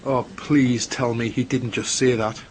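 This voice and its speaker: A man's voice: mid-range voice, little pitch movement, measured pace, a little mellow, a little hiss or hum, close to an everyday voice. A man playing an exasperated, disbelieving researcher in a radio drama. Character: exasperated male researcher fed up with puns.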